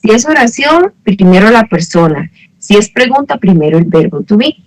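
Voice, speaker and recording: A woman's voice: mid-range voice, expressive, moderate pace, no room sound, low-quality recording. A woman teaching an English lesson online, explaining patiently, checking in with her students and correcting herself as she goes. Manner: corrects herself mid-sentence.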